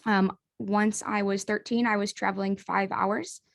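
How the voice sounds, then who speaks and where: A young woman from the United States giving a brisk, friendly webinar presentation over a video call, with frequent ums. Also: mid-range voice, little pitch movement, vocal fry.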